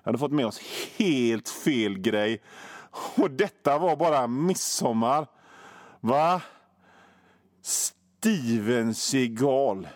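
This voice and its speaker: This medium-pitched male voice belongs to a middle-aged radio host telling comic, absurd invented stories, swearing and swinging his delivery widely. The studio-quality recording has no room sound.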